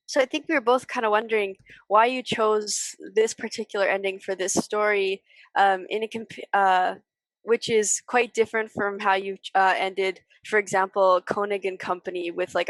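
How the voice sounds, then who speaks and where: A woman's voice: medium pitch, little pitch movement, moderate pace, no room sound, rough recording. Young woman, casual, in a dry recording. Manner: hesitant, informal phrasing with frequent "like". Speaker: podcast co-host, interviewer. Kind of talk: casual literary discussion.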